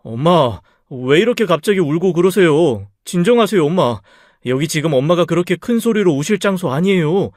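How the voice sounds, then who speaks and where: A man's voice: fairly high pitch, lively intonation, moderate pace, darkish tone, no room sound, clean studio sound, close to an everyday voice. A man playing an anxious grown son. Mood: urgent. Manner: urgent, pressing. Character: adult son, anxious and urging his mother.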